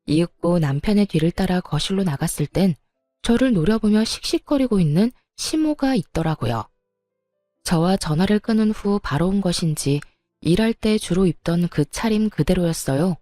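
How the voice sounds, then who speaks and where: Woman narrator, calm steady storytelling, mellow warm voice, dry close sound, faint music. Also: fairly low pitch, normal speed, no room sound. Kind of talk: scripted first-person narration.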